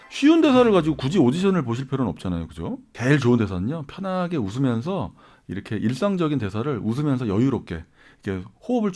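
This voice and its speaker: A man's voice: fairly high pitch, a little mellow. A man, an acting coach, giving casual advice to viewers and often checking in with rhetorical questions. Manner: chatty, asks listeners rhetorical questions. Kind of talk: casual YouTube advice talk.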